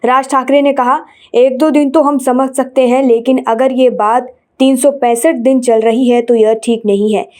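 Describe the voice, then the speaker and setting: A woman's voice: high voice, a little mellow. A woman news presenter narrating scripted bulletins in a formal, read-out manner.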